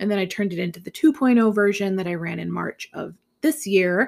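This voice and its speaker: A woman speaks at a medium pitch with ordinary pitch variation. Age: 30s. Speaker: podcast host and motivational coach. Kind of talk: solo podcast monologue. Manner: casual, conversational.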